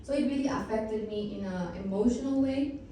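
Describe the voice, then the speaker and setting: A woman's voice: fairly high pitch, brisk, mellow, a little hiss or hum. Woman, far off in an echoey hall. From Costa Rica. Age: 20s. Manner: chatty, many fillers. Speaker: patient speaker on a panel. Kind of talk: personal story at a symposium. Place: conference hall.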